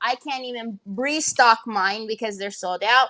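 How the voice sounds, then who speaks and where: A woman speaks in a raised, projected voice with a bright, sharp tone. Her pace is fairly slow and her pitch varies in an ordinary way. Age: 50s. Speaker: craft livestreamer, store owner. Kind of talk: casual livestream chat, craft tutorial. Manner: chatty, rambling, repetitive.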